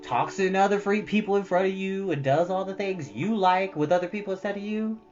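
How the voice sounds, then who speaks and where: A woman's voice: mid-range voice, a little fast, a little mellow, lo-fi sound, faint music behind. A woman reading a children's book aloud as storyteller, with dramatic emphasis and informal, chatty asides.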